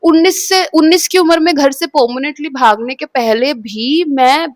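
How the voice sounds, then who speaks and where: A woman's voice: high voice, moderate pace, no room sound. A young woman vlogger telling an emotional personal story, mixing in English phrases, repeating words and acting out what others said. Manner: mixes Hindi with English phrases, acts out quotes; repeats words, addresses viewers as guys.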